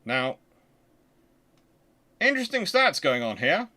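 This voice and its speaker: A man hosting a history channel, explaining informally and thinking aloud in a halting, conversational way. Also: fairly high pitch, big pitch swings, pushed and bright. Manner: conversational, halting, muttering to himself while working.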